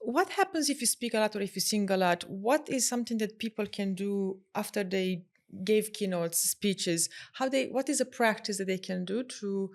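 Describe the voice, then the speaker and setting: A woman public speaking coach hosting a podcast, asking measured questions and murmuring along as she listens. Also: mid-range voice. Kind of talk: podcast interview.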